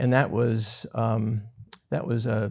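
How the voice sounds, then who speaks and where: A man's medium-pitched voice with a dark, mellow tone, lively intonation, and vocal fry. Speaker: church elder. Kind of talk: interview answer.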